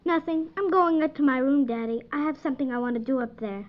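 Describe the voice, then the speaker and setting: A woman's voice: high-pitched, quick pace, lightly acted. A woman voicing a shy, sulky little girl in a 1950s radio comedy, with terse, reluctant, childlike speech. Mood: subdued, evasive. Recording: dull 1950s radio recording.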